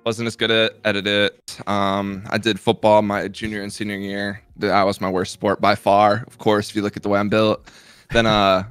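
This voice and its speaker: A man's voice: fairly low pitch, little pitch movement, normal speed, fairly bright tone, clear, resonant tone, no echo. A man in his twenties from Iowa with a slight Minnesota accent, a guest in a casual interview who is chatty and laughs easily. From Iowa, United States. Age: 20s. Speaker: guest, content creator.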